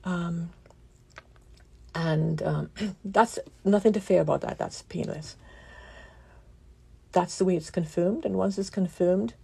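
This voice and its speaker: A woman physician giving a radio interview, with a croaky voice from a damaged vocal cord nerve, explaining things calmly with many pauses. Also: on the low side. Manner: calm, explanatory, pauses often.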